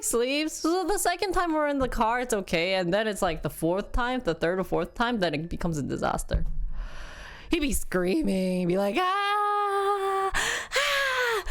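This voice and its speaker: A woman in her thirties chatting casually to viewers, rambling and animated, acting out her baby's noises. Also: mid-range voice. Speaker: vlogger talking about her baby.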